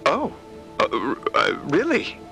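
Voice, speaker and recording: Casting: jittery, eager expedition journalist, bright voice, swooping intonation, stammering politeness, fiction podcast with music underneath. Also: male voice, medium pitch, huge pitch swings, takes it slowly, gravelly, full character voice. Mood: flustered gratitude. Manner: flustered, stammering, effusively polite. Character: nervous, eager, apologetic journalist on a cosmic expedition. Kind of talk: naturalistic audio drama acting.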